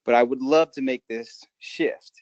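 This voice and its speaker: A man's voice: medium pitch, a little slow, a little mellow, no room sound, dull audio. A man calling into a webinar, eager and polite, asking how to get started. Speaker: webinar caller.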